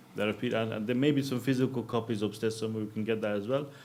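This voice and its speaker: Mumbling, a man speaks with fairly even intonation. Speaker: imam. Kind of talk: religious talk.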